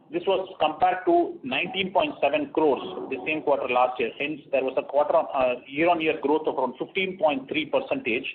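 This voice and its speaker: A man presents quarterly financial results over a conference call. He speaks in a measured way, with frequent "uh" fillers and restarts. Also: on the high side. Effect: heard over a conference call line. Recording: tinny phone-line conference call audio.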